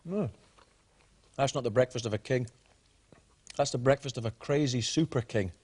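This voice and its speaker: A man's voice: medium pitch, moderate pace. A man in a comedy sketch, teasing and incredulous. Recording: noisy.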